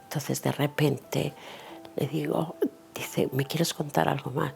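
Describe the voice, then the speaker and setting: Middle-aged woman with a gravelly voice, recounting her testimony vividly and playing every voice in it. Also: sits low, level tone, slow, darkish tone. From Italy and Spain. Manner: vivid, acts out dialogue and inner thoughts. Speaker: interviewee giving a faith testimony. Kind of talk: personal storytelling.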